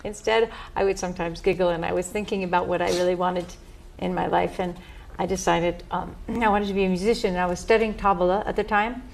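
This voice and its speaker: A woman's voice: lowish voice, fairly even intonation, brisk, vocal fry, a little hiss or hum. An American woman, a professional mandolin player, chatting as a guest and telling stories with a laugh at herself. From United States. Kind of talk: casual interview chat.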